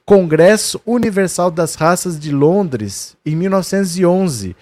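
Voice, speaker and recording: A man's voice: sits high, expressive, a little slow, a little mellow, dry recording. A man with a Brazilian Portuguese accent explains history conversationally and shows documents to the viewer. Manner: quotes historical figures in a raised voice. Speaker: history presenter.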